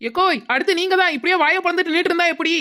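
A woman voicing a bold, scheming village girl in a cartoon dub, loud and bossy. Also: extremely high pitch, very fast. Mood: bossy, cheerful.

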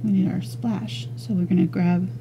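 A woman teaching an acrylic painting lesson, talking casually and thinking aloud as she works, with soft murmured asides. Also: lowish voice, fairly even intonation, moderate pace, vocal fry, a little hiss or hum. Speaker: painting instructor. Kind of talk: relaxed step-by-step art lesson.

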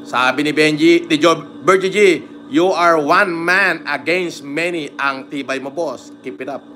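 A man with a Batangas Tagalog accent hosting a livestream, giving shout-outs and reading viewer comments in a crude, teasing manner. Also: fairly high pitch, measured pace, a little hiss or hum. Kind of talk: casual livestream chat.

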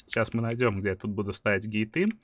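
A man in his thirties commentating a video game play-by-play in an animated, emphatic way, often repeating phrases. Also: on the low side, quick pace. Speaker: gaming streamer. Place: small dim room indoors.

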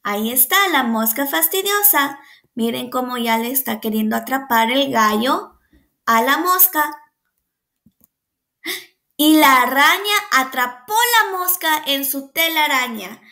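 A woman's voice: sits high, expressive, a little slow, bright, forceful tone. A woman preschool teacher reading a picture book aloud to young children. She patiently asks them questions, praises them, and sounds out the animal noises.

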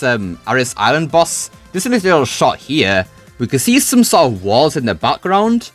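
Animated man giving casual game commentary. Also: medium pitch. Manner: informal, thinking aloud. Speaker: video creator.

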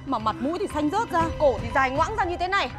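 An actress playing a fussy, gossiping middle-aged friend in a TV drama, quick and insistent. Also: female voice, high voice, music in the background. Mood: gossipy. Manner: fast, fussy, urging calm. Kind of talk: TV drama acting.

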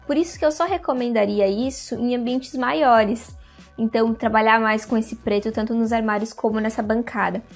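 A young woman hosting an interior design video, talking casually to the camera on a lapel mic in a room, with lots of hand gestures. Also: a little high. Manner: chatty, animated hand gestures, addresses viewers directly. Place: indoor room with curtains and plants.

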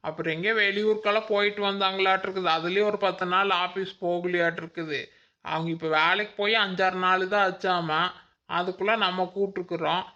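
A man voices a talkative young village woman in a cartoon, pitched high and bright, homely and a little complaining. The recording sounds dull and lo-fi. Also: steady tone, brisk. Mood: explaining. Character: young village woman, chatty sister-in-law. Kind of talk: cartoon voice acting.

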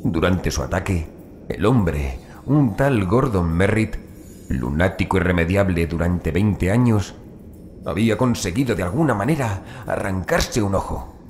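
A man reading a horror audiobook as narrator in a measured, phrase-by-phrase manner. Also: sits low, animated, a little mellow, a little hiss or hum.

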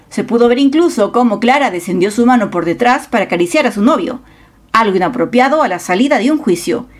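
A woman reading a scripted celebrity gossip news voice-over in a dramatic, storytelling manner on a close mic. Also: medium pitch. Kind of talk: scripted narration.

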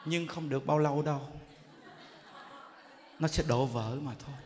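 A Buddhist monk with a fairly high voice and moderate pace gives a humorous dharma talk, acting out little scenes as he tells them. His storytelling is animated: he acts out quarrels and laughs often, recorded with long hall reverb and faint noise.

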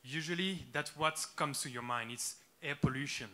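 A man in his thirties with a French accent, presenting his startup on a big conference stage. His tone is bright and forward, and he speaks with eager conviction, filling pauses with plenty of "uh"s. He talks into a handheld mic. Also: fairly high pitch. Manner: earnest, eager, with many "uh" fillers. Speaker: startup founder pitching on stage. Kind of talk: conference pitch talk. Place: large dark conference stage with audience.

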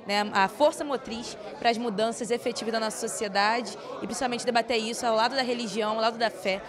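Young female interviewee, rapid and assertive, slightly high voice. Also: fairly even intonation, a crowd in the background. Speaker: interviewee at religious event. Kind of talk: interview answer. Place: indoor event venue. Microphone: handheld interview mic.

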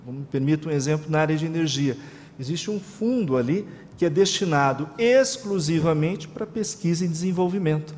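A man's voice: on the high side, lively intonation, brisk, a little mellow. Man moderating in a reverberant hall. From Brazil. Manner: explanatory, formal. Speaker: panel moderator. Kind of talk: formal seminar remarks. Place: conference room with panel table. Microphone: table microphone.

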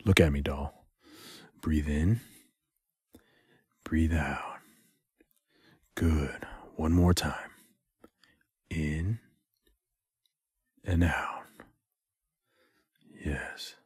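An actor playing a protective, defiant yet tender male spy in an intimate audio drama, with a husky voice. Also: rumbling low, very slow, long pauses, no echo, clean studio sound, full character voice. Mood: soothing.

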